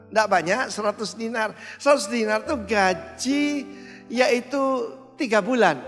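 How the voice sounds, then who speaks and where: High-voiced preacher in echoing hall. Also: male voice. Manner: animated preaching with sudden loud outbursts. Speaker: pastor. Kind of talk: sermon. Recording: long reverb of a large hall, faint music.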